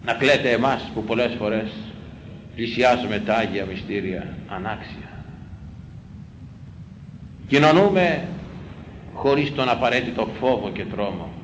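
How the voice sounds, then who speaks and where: A man, a priest, delivering a sermon in an emphatic, pleading way, repeating phrases and swinging between loud exclamations and hushed lines. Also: lowish voice. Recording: echoey room with faint ambient noise.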